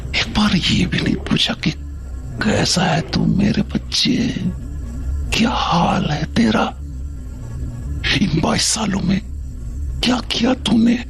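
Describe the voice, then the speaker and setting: A man's voice: high-pitched, gravelly, a bit bright, full character voice. An actor playing a grown son who returns home after many years and pleads emotionally with his mother, in an audio drama.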